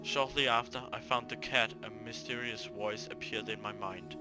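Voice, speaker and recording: A man's voice: mid-range voice, fairly even intonation, normal speed, music in the background. A man hosting a gaming video, reading a visual novel aloud theatrically, stumbling over words and talking to himself between lines.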